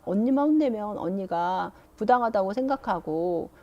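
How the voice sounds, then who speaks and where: A woman voicing a resentful teenage girl who is annoyed at being scolded alongside her sister, speaking in a slow, aggrieved complaining way. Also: mid-range voice, expressive, darkish tone, dull audio, lightly acted.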